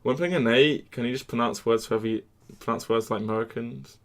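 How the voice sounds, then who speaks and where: A man streaming a card game, talking casually to chat, often restarting and trailing off into quiet mutters. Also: medium pitch, quick pace.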